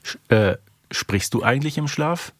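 Male podcast co-host, middling pitch, casual review chat, close dry sound. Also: normal speed, no echo.

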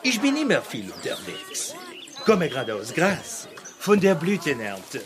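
High-voiced French perfumer. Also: male voice, wildly swooping pitch, a little slow, background noise. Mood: breezy, self-important. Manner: exaggerated, affected. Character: well-travelled French male perfumer, small, slim, self-important.

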